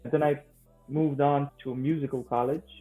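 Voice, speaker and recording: A man in his twenties from Romania with a Romanian accent, answering interview questions conversationally in a halting way, often repeating words. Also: medium pitch, fairly even intonation, mellow, soft background music. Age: 20s. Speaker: guest, vocal coach and singer-songwriter. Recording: thin phone-like line.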